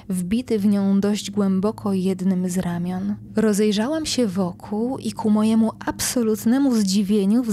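A young woman host narrating her own horror story, slow and hushed, often dropping to a whisper. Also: medium pitch, a little hiss or hum.

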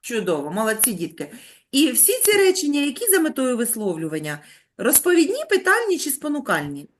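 A woman's voice: high voice, huge pitch swings, brisk, slight background noise. A woman teaching young children on a video call, patient and coaxing, praising them with pet names. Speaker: primary school teacher. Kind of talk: online lesson for young children.

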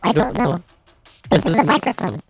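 A man's voice: high-pitched, very animated, soft background music. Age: childlike. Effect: voice changer. Figure: shy game player, put on by a man. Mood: naive. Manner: halting, simple questions. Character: shy childlike gamer speaking through a voice changer.

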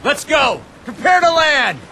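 An eager young general leading an invasion in a game cutscene. His voice is high and bright with a lively swing as he rallies his men. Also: a little slow, a little hiss or hum, heavily acted, low-quality recording. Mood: rallying. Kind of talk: video game cutscene dub.

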